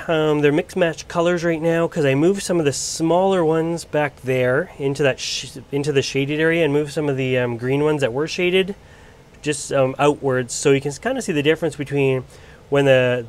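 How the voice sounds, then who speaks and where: Male grower, recovering from a cold, chatty and unpolished, off-camera handheld vlog voice. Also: mid-range voice. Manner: chatty, loose, lots of ums and restarts. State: getting over a cold. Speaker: plant grower showing his collection. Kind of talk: casual filmed walk-through. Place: indoor grow area under bright lights.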